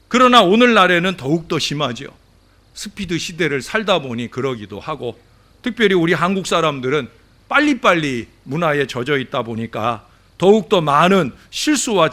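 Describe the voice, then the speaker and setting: A male pastor delivering a Sunday sermon at a church service, speaking straight to his congregation. His voice sits a bit high, and its pitch leaps and falls in lively, emphatic swings. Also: moderate pace. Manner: animated preaching, addresses the congregation directly.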